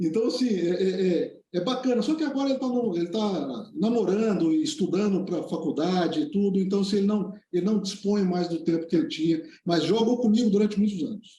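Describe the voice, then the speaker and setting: A man with a high pitch talks at a fairly quick pace, his intonation lively and his loudness very even. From Brazil, Goiás. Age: 50s. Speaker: surgeon. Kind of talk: casual chat.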